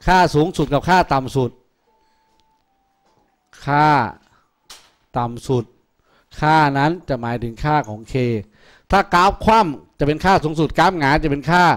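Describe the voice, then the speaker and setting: Guy tutoring math in a classroom, slightly high voice, cracks crude jokes at students. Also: animated, a little slow, pauses often. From Thailand. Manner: joking, crude, teasing students. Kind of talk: classroom lecture.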